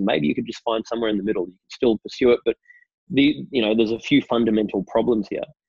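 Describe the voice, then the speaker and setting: Very fast speech with an Australian accent, dry with no echo, over a quiet background. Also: man. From Australia, Victoria. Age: 30s. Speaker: mental health advocate and actor; podcast guest. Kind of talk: casual interview. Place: home room. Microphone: video call.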